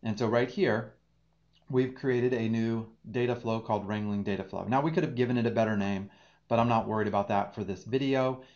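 A man's voice: on the low side, fairly even intonation, fairly quick, darkish tone. Male instructor, 30s, explanatory tutorial read, slightly muffled home-office audio. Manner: explanatory, talks through each click. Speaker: data engineering instructor. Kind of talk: screen-share tutorial.

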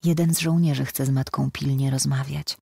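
A nun on a hospital ward in an audiobook, voiced by the reader, speaking at half voice with urgency. The sound is husky and gravelly, close and dry. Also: female voice, rumbling low, steady tone, moderate pace, mellow, dry recording, full character voice. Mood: hushed.

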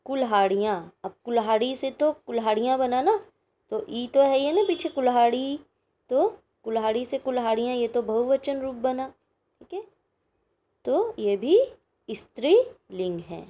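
A woman's voice: on the high side, lively intonation, normal speed, dark tone. A woman teacher giving a recorded grammar lesson to young pupils, patient and explaining step by step with frequent checking questions. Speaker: school teacher.

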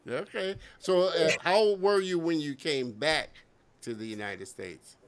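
A man's voice: on the high side, unhurried. A man in his fifties hosting a live-streamed interview from a home studio, talking enthusiastically and repeating words. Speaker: host. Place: home studio with colorful lighting. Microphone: studio mic on boom arm.

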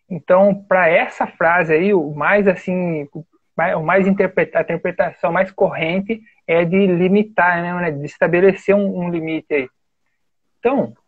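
A man's voice: high voice, slightly rough, dry recording. A Brazilian man teaching an online lesson on Chinese characters, explaining step by step and pointing things out on screen with a frequent "né?". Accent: Brazilian Portuguese. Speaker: study group teacher. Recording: tinny phone-like online call audio.

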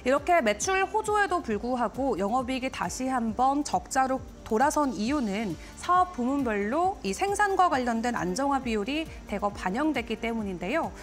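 A woman's voice: sits high, sing-song, normal speed, few pauses. A young woman presenting a financial report on television in a polished, formal broadcast manner. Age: young adult. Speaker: TV stock market news presenter. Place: TV studio. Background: background music.

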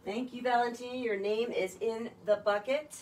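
A woman's voice: fairly high pitch, steady tone, normal speed, darkish tone, slight background noise. A woman hosting a live online jewelry party, chatting and gushing over each piece as she shows it. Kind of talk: live-stream sales chat.

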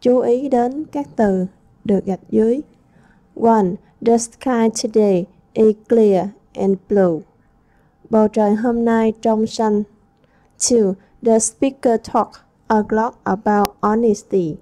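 A woman's voice: on the high side, steady tone, takes it slowly, warm tone, dull audio. A woman English teacher going through a textbook review, reading each word aloud and then translating it. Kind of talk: textbook lesson walkthrough.

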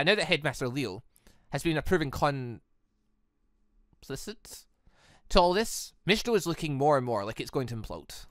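A man reading as a hurried male professor. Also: fairly high pitch, sharp tone, dry recording, clean studio sound.

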